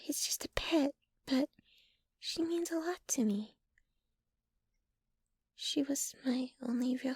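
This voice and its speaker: A woman acts out a lovestruck, slightly obsessive young girlfriend in an ASMR audio drama. Her voice is high and soft, often nearly whispered, with a shy, giggly delivery. She talks slowly and haltingly, very close and dry on the microphone. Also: breathy edge, dry recording. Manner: bashful, giggly, halting, gushing. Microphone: close microphone, dry sound.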